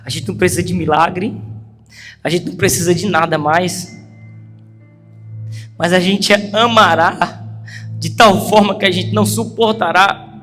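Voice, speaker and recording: High-voiced Brazilian preacher in a reverberant hall. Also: male voice, measured pace, long pauses. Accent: Brazilian Portuguese. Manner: earnest, animated storytelling that swells into urgent emphasis. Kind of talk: storytelling sermon. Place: church hall. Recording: long hall reverb with faint music.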